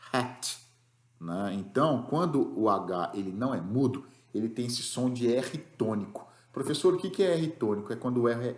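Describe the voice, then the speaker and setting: Speaking at medium pitch in a reverberant space, a man with a Brazilian Portuguese accent patiently explains English grammar rules and checks in with his class after each one.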